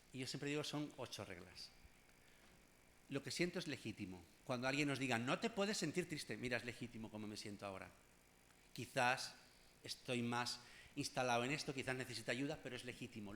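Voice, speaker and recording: Chatty psychologist giving a workshop. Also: male voice, mid-range voice, a bit bright, a little hiss or hum. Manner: conversational, addresses audience directly with asides and humor. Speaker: clinical psychologist leading a workshop. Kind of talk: informal workshop talk.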